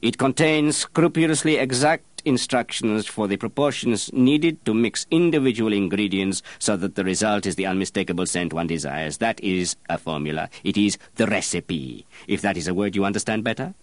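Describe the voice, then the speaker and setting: A man's voice: on the low side, normal speed, hardly any pauses, dry recording, pitched above the performer's own voice, natural voice. Man playing a pompous stern perfumer, scornful, lecturing, dry close sound. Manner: haughty, lecturing, rising to shouts.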